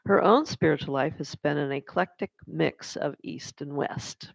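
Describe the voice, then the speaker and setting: A woman at a church service reading a speaker's biography aloud, slow, adding small asides. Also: sits low, vocal fry, dry recording. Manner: reads slowly with warm asides and laughter. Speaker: service moderator introducing the speaker. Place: church hall. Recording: dull, dry sound.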